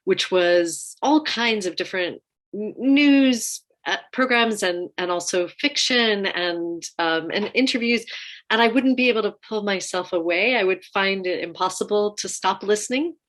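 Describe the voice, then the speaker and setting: A woman's voice: mid-range voice, fairly bright tone. A woman speaking reflectively as a panelist in an informal discussion, searching for her words as she thinks.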